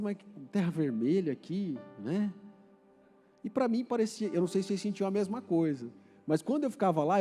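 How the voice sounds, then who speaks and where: A man from Paraná preaching a sermon with a Paraná accent, chatty and anecdotal, quizzing the congregation and building to forceful exhortation. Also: high-pitched. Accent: Paraná Brazilian Portuguese, rolled R. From Paraná, Brazil. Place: church hall. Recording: reverberant church hall with faint music.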